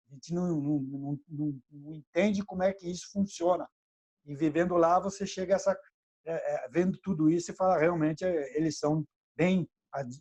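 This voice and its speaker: Over a muffled, dead-sounding video call, a middle-aged man with a Brazilian Portuguese accent and a fairly high voice chats as a former footballer being interviewed. He stumbles and repeats words as he goes, and tags his remarks with "né?". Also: darkish tone, slightly rough, no echo. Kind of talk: casual interview chat. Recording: dull, dry lo-fi sound.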